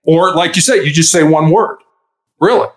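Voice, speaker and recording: A man's voice: fairly high pitch, normal speed. A man, a guest and former hostage negotiator, talking casually in a podcast interview and explaining with examples, full of "you know" fillers.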